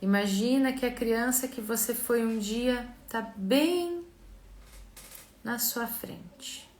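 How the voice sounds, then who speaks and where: A Brazilian woman leads a guided relaxation and visualization in a slow, gentle, soothing manner with long pauses. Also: a little high. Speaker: mentor and therapist leading a live session. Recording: echoey room sound.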